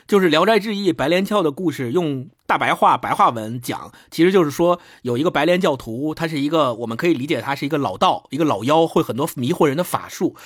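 Animated, fast-talking male storyteller. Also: fairly high pitch, breathy edge, no room sound, studio quality. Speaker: podcast host discussing a book. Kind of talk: casual storytelling chat.

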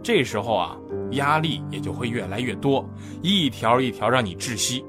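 Lively male comedy talk-show host. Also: mid-range voice, moderate pace, over music. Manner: lively storytelling. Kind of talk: scripted comedy monologue.

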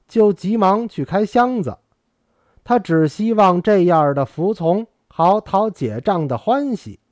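Slow, expressive male audiobook narrator. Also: on the high side, no room sound. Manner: measured, expressive storytelling. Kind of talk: novel reading.

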